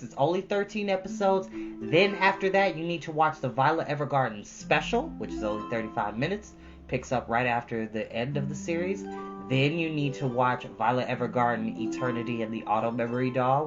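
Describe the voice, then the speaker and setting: A male host chats informally with his viewers in a folksy, emphatic manner, repeating phrases to drive his point home. His voice sits at a medium pitch. The audio is a little dull and lo-fi, with plucked guitar music clearly playing behind him. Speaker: storytime stream host. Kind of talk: casual chat to live viewers.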